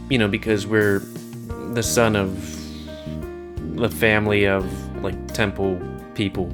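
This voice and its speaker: A video host giving casual, rambling commentary over gameplay, often searching for words. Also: mid-range voice. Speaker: video host reviewing games.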